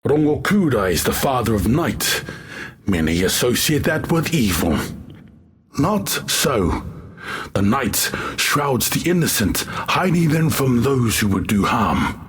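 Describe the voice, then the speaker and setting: A man playing a genial armored tribal warrior who tells old tales theatrically in a husky voice, as game lore. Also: medium pitch, very animated, slow, exaggerated voice. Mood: calm, wry. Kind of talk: scripted in-character lore narration.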